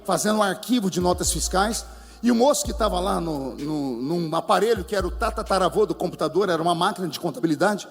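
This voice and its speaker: A high-pitched male pastor tells his testimony to a congregation, acting out voices and singing short phrases. His voice rings with the long reverb of a church hall, with soft music underneath. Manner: storytelling, mimics voices, sings phrases. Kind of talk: sermon testimony with acted dialogue.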